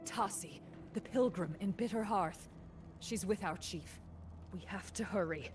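A woman's voice: medium pitch, measured pace, natural voice. An actress playing an earnest, sorrowful tribal warrior woman in a fantasy video game, speaking with solemn determination. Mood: earnest, urgent. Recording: game music behind the voice.

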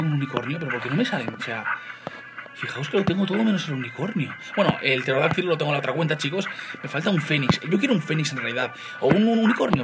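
Young man, Spain Spanish accent, gaming commentator, rapid patter, loud noise underneath. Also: on the high side. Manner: chatty, excitable, addresses viewers as "chicos". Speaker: gaming YouTuber. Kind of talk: casual gameplay commentary.

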